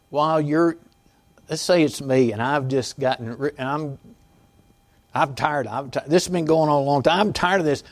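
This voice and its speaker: Halting conversational male pastor preaching. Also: a little high. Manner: conversational, halting with restarts and asides to the congregation; chuckles between points. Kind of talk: sermon. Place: church sanctuary.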